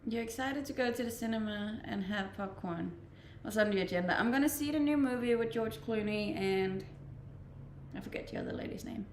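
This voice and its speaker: Fairly quick and on the high side, this Danish woman's voice fills a reverberant space with a little hiss or hum. In her twenties, she livestreams in a relaxed, chatty way, laughing a lot while reading viewer comments.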